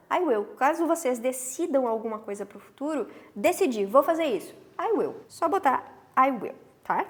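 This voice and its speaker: A woman with a Brazilian Portuguese accent teaches English with a bright, fairly high voice that swings up and down a lot. She says her example sentences slowly and drawn out, then hurries through the explanation. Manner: animated, stretches English examples slowly, frequent "tá?" check-ins. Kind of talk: lively explanatory lesson.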